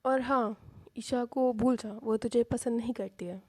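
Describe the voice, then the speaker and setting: A woman's voice: fairly high pitch, fairly even intonation, measured pace, darkish tone. A woman doing a bossy, teasing young woman. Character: confident teasing young woman, strict and sharp.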